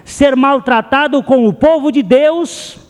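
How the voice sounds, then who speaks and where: A man's voice: very high voice, slow pace. A man preaching a sermon as a pastor, telling stories with passion and repeating phrases for emphasis. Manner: impassioned storytelling with repeated phrases. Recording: long hall reverb.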